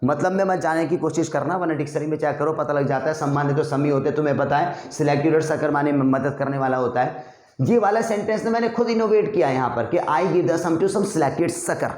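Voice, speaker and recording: A man teaching spoken English in a casual, chatty way, repeating practice sentences slowly. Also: on the high side, darkish tone, reverberant. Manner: chatty, addresses viewers as brother and friend.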